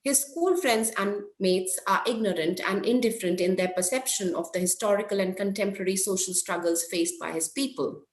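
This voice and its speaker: A woman presenting an academic paper, reading it aloud in a measured, careful way. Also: mid-range voice. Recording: echoey room.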